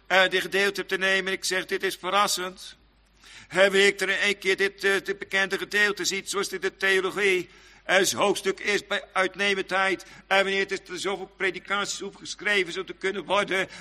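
A man delivers a sermon in a high, cutting, intensely forceful voice. He repeats his phrases with fervour, rising to loud exclamations and sinking to hushed low asides. His words ring out with the long reverb of a church. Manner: fervent, repetitive preaching, swinging between loud exclamations and hushed low asides. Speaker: preacher.

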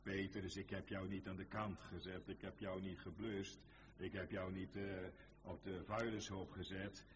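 A man preaching who voices the Lord, speaking slowly, deeply and reassuringly. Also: flat delivery, background noise, lightly acted. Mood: solemn tender. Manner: slow, deep, reassuring and solemn. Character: the Lord, a solemn, tender male divine voice. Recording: reverberant hall, dull lo-fi sound.

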